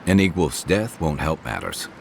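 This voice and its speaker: A wry, very deep-voiced game adventurer. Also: male voice, very animated, normal speed, creaky, a little hiss or hum, heavily acted. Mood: wry, concerned. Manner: wry, teasing, reflective. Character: easygoing wry male adventurer companion, weathered but good-humoured. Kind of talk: naturalistic video game dialogue.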